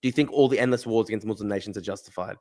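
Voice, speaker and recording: A young man hosts a casual livestream, reading chat and answering bluntly. His voice is on the low side and mellow, racing along as he argues, swears freely and repeats phrases.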